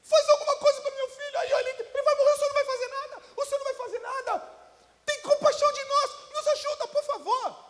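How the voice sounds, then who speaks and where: A man voicing a panicked father of a sick boy, begging in a high, breaking voice and talking fast. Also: steady tone, a bit bright, in a large hall. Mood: frantic pleading.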